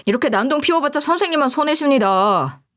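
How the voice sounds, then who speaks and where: A woman's voice: sits high, expressive, fast talker, fairly bright tone, voice pushed up. A woman voicing a firm male police officer who speaks formally.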